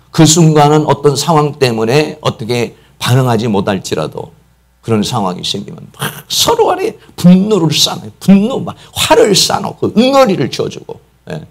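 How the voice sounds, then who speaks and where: A middle-aged Korean pastor preaching a sermon emphatically, acting out quotes and piling up repeated words for stress. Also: male voice, mid-range voice, vocal fry. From South Korea. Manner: emphatic, acts out quoted speech, repeats "막" often.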